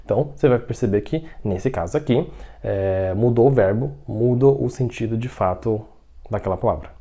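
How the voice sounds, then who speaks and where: A Brazilian man teaches a language lesson in a mellow, warm voice. He explains things patiently and keeps checking that the learner is following. When he models example sentences, he slows right down. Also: mid-range voice. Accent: Brazilian Portuguese. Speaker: Mandarin teacher.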